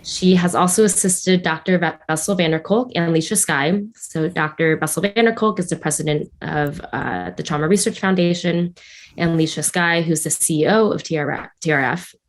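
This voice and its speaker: A woman host reading a guest introduction in a measured way, with small slips. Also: low voice.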